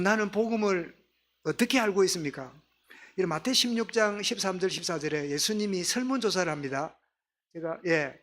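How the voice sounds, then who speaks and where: Male pastor, Gyeongsang accent, middle-aged, high voice, sermon with questions to the congregation. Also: a bit bright. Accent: Gyeongsang dialect. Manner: asks the congregation questions and answers them.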